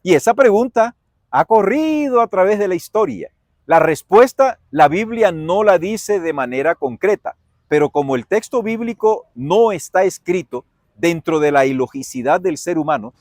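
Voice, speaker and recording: A man with a Colombian accent teaching a Bible lesson as a pastor, in a folksy, animated way that asks and answers his own questions. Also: high voice, moderate pace, dry recording, clean studio sound. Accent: Colombian Spanish.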